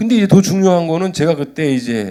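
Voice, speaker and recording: The pace is moderate. The voice makes very wide pitch swings. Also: man. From North Korea. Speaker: film director. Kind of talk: interview testimony. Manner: halting, many fillers.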